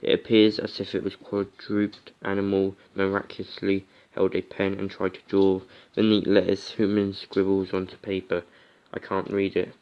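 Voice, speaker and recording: A man's voice: deep voice, monotone, moderate pace, dull audio. A man hosting a let's play, chatting casually and reading a visual novel aloud. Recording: music behind the voice. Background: music.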